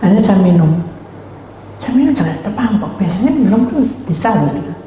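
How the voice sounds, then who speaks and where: A woman's voice: medium pitch, sing-song, brisk, dark tone, slight background noise. A woman pastor preaching a sermon as dramatic storytelling, dropping to near whispers and then rising again. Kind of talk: sermon with personal testimony. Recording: echoey hall with long reverb.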